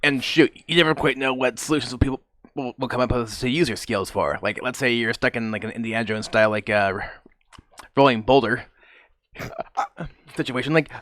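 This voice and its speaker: A man co-hosting a casual gaming chat, quick with jokes. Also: mid-range voice, no echo, clean studio sound. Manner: joking, animated. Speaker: podcast co-host.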